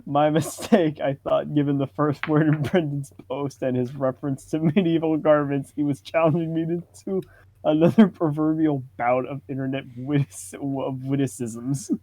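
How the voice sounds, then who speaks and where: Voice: medium pitch, fairly even intonation, normal speed, dark tone, low-quality recording. A person reading social media posts aloud among friends in a giggly manner, often breaking into laughter.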